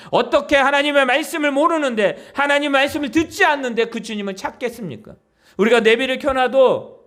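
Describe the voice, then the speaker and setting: Man, pastor, sermon, very high voice, animated pitch, emphatic, rhetorical questions. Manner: emphatic, pleading, asks the congregation many rhetorical questions. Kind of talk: Sunday sermon. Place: church.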